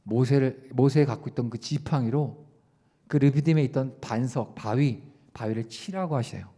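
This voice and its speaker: A young man, a youth pastor, preaching a sermon at a youth service. He puts questions straight to his listeners and swings between raised emphasis and quiet asides. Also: mid-range voice, moderate pace. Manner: addresses listeners directly with questions. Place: church service.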